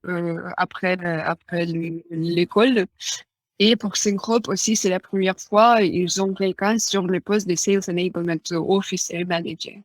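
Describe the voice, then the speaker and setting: A Ukrainian woman in her twenties, speaking with a Ukrainian accent, answers interview questions as a guest. Her voice is lowish and the recording has no room sound. She replies casually and hesitantly, with plenty of fillers.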